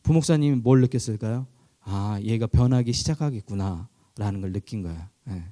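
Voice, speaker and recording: A South Korean male pastor with a warm, lowish voice preaches a sermon to a youth group at an online church youth service. Speaking at a moderate pace, he tells stories conversationally and asks his listeners questions.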